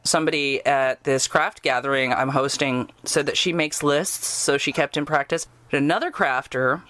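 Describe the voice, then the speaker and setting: A woman's voice: sits low, normal speed, a bit bright, no echo. A woman in a casual interview, chatting away as a storyteller who acts out the lines she quotes. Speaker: radio drama writer being interviewed. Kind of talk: casual interview chat with anecdotes.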